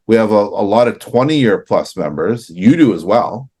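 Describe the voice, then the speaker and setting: A man's voice: on the low side, lively intonation, moderate pace, darkish tone, breathy edge. A man from Canada co-hosting a casual business chat, talking loosely with fillers and restarts. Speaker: co-host.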